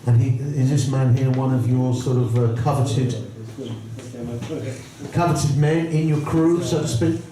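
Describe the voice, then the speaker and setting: A man's voice: mid-range voice, steady tone, unhurried, dark tone, slight background noise. A man hosting a boxing press conference, chatty and promotional, putting questions to the fighters. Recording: echoey room, distant mic.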